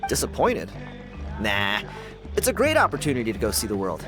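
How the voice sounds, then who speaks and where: A man's voice: on the low side, huge pitch swings, moderate pace. A man voicing a cocky, friendly young tribal dancer in a video game, talking in an easygoing, boastful way. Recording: game audio with loud music underneath.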